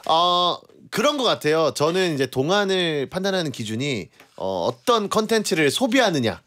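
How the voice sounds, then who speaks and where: A man in his late twenties talks as a radio DJ with a slightly high, very animated voice. His style is casual banter, polite but playfully teasing. He speaks close to a studio microphone. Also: normal speed. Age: late 20s to around 30. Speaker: radio guest DJ and comedian.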